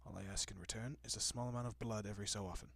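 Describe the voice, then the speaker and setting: A man playing a gentle, courteous, possessive vampire in an intimate audio roleplay, speaking softly and often dropping to a whisper with hushed reassurance. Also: fairly low pitch, steady tone, racing, creaky, husky, exaggerated voice. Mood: calm, apologetic. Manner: hushed, reassuring, politely old-fashioned.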